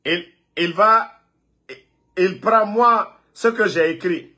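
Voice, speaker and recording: A man's voice: sits high, slow, sharp tone. A man from Guinea, ranting and scolding a rival on a live phone video, repeating himself. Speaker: political online commentator.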